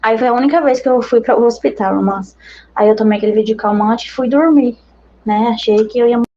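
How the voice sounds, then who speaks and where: A woman's voice: on the high side, fast, mellow, muffled recording, slight background noise. A woman missionary with a Brazilian accent giving an earnest, conversational religious testimony to her brothers and sisters in faith.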